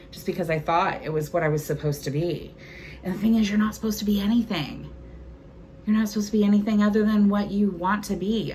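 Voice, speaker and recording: A woman in her forties with a distinctly low voice talks casually to camera as a vlog host. She is candid and conversational, as in an informal chat. There is faint noise behind her. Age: 40s.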